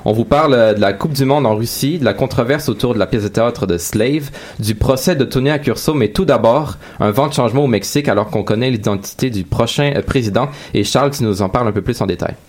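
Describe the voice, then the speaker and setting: Young radio host, talks real fast, upbeat intro vibe. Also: male voice, medium pitch. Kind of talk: radio news show hosting.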